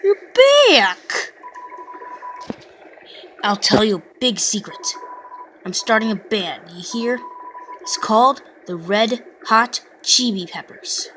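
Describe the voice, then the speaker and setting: A woman's voice: mid-range voice, slow pace, pauses often, pushed and bright, a little hiss or hum, poor audio. A woman voicing a dreamy, hopeful monster from a video game, eager and confiding. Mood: secretive, eager. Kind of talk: amateur video game character dub.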